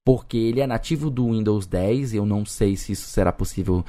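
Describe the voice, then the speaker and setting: Brazilian podcast host thinking aloud. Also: male voice, on the low side, fairly quick, dark tone. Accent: Brazilian Portuguese. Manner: thinks aloud, speculative, with restarts. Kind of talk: casual podcast chat.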